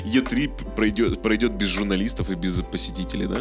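A young man with a fairly low voice chats as a podcast co-host. His delivery is casual, wry and joking. Music is clearly audible behind him. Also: a little fast. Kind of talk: casual banter.

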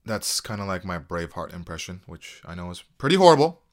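Lively, rambling man on a podcast. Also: low voice, fast talker. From United States. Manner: rambling, swears freely. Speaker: podcast host. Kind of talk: casual solo podcast chat.

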